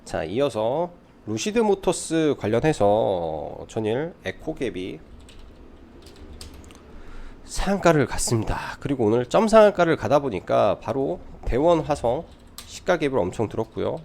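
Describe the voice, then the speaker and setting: Male trading adviser for a live market recap: explanatory, animated intonation, noticeable vocal fry. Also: medium pitch. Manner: explanatory, poses questions then answers them.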